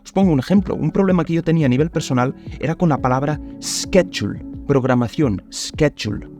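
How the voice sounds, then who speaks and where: Calm man teaching. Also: fairly high pitch, fast talker, faint music behind. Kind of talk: explanatory teaching talk.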